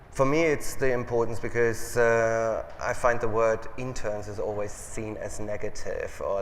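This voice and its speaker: A man with a German accent speaks amid audible room echo. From Germany. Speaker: magazine editor. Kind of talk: public interview.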